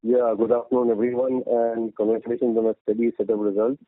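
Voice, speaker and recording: A man's voice: medium pitch, completely flat delivery, quick pace, no room sound. A man asking formal, polite questions as an analyst on an earnings call. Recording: dry, narrow phone line.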